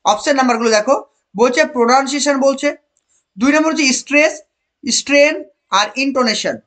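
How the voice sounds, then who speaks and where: A high-pitched teacher leads an online exam-prep class. The voice asks students question after question, repeats the key answers and praises pupils by name. English options are read out slowly. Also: a bit bright.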